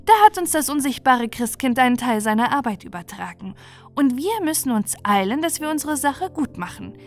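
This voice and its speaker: A woman voicing a kind, patient aunt in a bedtime storybook reading, speaking gently and reassuringly. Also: high-pitched, expressive, normal speed, faint music behind.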